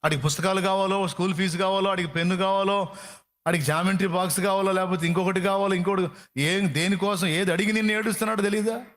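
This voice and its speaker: A man's voice: high-pitched, steady tone, fast talker, a bit bright. A man preaching a sermon with fervor, repeating phrases for emphasis. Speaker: pastor.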